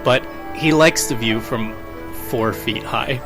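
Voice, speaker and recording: A man playing a tabletop roleplaying game, describing his character in a measured, dryly understated way. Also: medium pitch. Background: background music.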